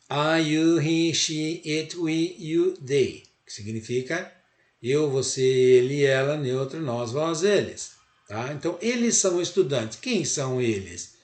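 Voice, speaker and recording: A man's voice: fairly high pitch, echoey room. A man from Brazil teaching an online English lesson, explaining patiently step by step and often checking in with his students.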